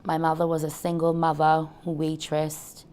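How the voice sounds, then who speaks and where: A woman's voice: sits low, monotone, normal speed, darkish tone, clean tone. A woman in her thirties with a Boston accent, speaking matter-of-factly in an interview. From South Boston, Massachusetts. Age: 30s.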